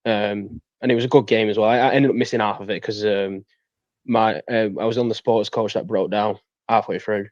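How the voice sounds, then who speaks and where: A young man speaks in a lowish voice as a podcast guest. The sound is dry and a little dull, and his delivery is casual and conversational. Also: steady tone, a little fast, a little mellow, no echo. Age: 20s. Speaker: fan guest. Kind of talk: casual interview chat.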